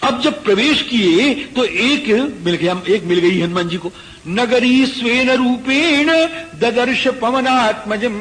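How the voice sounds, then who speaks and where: A man giving a devotional scripture discourse, chanting verses and then explaining them in a lively, rhetorical way. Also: high-pitched. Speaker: scripture reciter. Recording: long hall reverb, faint background noise.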